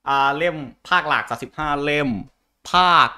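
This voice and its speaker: A man's voice: on the high side, moderate pace, sharp tone. A man explaining things in casual chat as a co-host, hesitant and often repeating his words.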